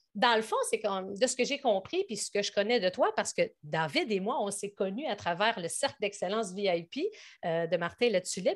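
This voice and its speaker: A woman with a medium pitch talks at a fairly quick pace in an unremarkable speaking voice, captured in a very clean recording with a silent background. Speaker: podcast host, business coach. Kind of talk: interview.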